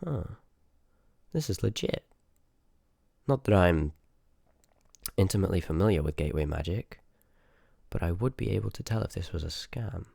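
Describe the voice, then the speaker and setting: Man acting a deep, gravelly, sardonic sorcerer. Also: lively intonation, normal speed, pauses often, warm tone, no room sound, exaggerated voice. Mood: skeptical, dry. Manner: sarcastic, dry banter with muttered asides. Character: rude, sardonic, curious male sorcerer in a fantasy world. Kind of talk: ASMR audio roleplay acting, addressed to the listener.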